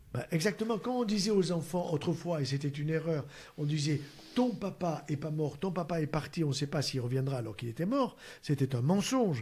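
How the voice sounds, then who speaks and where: A man's fairly high, somewhat breathy voice with a dark, mellow tone, lively intonation, big swings in loudness and a moderate pace. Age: 70s. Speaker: cancer surgeon and author. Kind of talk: interview conversation.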